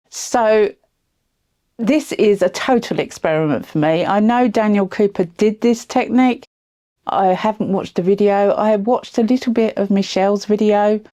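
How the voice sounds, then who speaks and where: A woman with a cold, sounding croaky, chatting her way through a craft tutorial voice-over with friendly little asides. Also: medium pitch, dark tone. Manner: chatty, self-deprecating asides. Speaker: resin craft video host.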